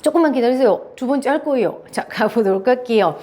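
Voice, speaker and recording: A middle-aged woman from South Korea teaching an English lesson, lively and emphatic, acting out short dialogues and saying example sentences slowly. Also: on the high side. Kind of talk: classroom-style lecture.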